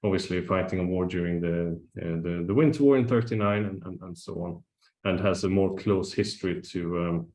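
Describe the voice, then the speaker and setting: A man's voice: low-pitched, fairly quick, a little mellow, roomy sound. A man who grew up in Sweden, speaking as a panelist in an academic discussion, hesitant with many restarts.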